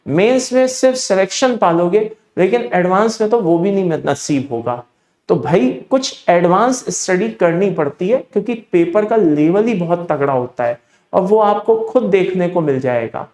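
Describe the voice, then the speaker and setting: A man's voice: high voice, lively intonation, normal speed, darkish tone, echoey room. Emphatic Indian male chemistry teacher. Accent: Indian English. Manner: emphatic, repeats points, keeps checking in with students. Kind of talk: exam-prep lecture.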